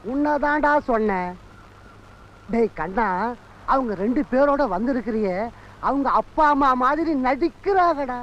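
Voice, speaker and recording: A woman's voice: sits high, lively intonation, measured pace, long pauses, lo-fi sound, a little hiss or hum. An actress playing a knowing woman who mocks a boy, in film dialogue. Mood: mocking. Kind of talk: 1980s Tamil film dialogue.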